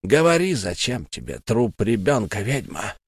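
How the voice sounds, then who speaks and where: A man doing a slow, menacing vengeful ghost. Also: on the low side, sing-song, slightly rough, dry recording, studio quality, full character voice. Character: vengeful, cold male ghost.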